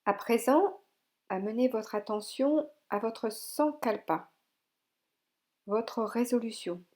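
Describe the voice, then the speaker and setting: Female yoga nidra guide: soothing and gentle, very slow delivery, mellow timbre. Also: on the high side, expressive. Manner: soothing, gentle, unhurried instructions with pauses. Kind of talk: guided relaxation meditation.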